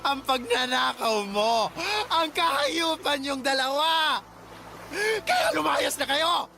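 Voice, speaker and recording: A man's voice: slow, vocal fry, a little hiss or hum, full character voice. A man with a Filipino accent playing an enraged, betrayed gay adoptive mother in a melodramatic radio drama, wailing accusations. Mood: outraged, accusing. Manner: melodramatic, shrill, wailing outbursts. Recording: loud music under the voice. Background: loud dramatic music.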